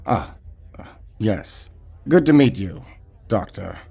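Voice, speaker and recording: A man's voice: fairly low pitch, lively intonation, slow pace, gravelly, dark tone, breathy edge, heavily acted. A man acting a proud, critical professor in a sci-fi audio drama, stiff and pompous, turning defensive. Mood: flustered, uneasy. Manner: pompous, stiff, hesitant when challenged.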